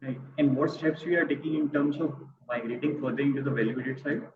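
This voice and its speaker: A man's voice: mid-range voice, brisk. A man asking questions as a participant on an earnings call. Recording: distant, echoey, muffled, noisy call line.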